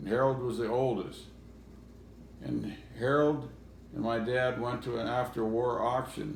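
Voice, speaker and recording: A man with an American accent speaks at medium pitch, somewhat breathy and fairly slow. His pitch varies normally, and audible room echo surrounds him. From US Pacific Northwest, Quilcene, Washington. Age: 70s. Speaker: retired logger. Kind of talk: interview, life story reminiscence. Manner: halting, with false starts.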